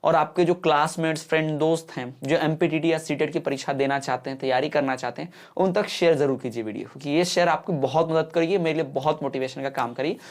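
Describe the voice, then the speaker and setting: A man's voice: a little high, fairly even intonation, quick pace, few pauses. A male exam-prep teacher giving an online lesson in mixed Hindi and English, explaining patiently and often checking whether the students have understood.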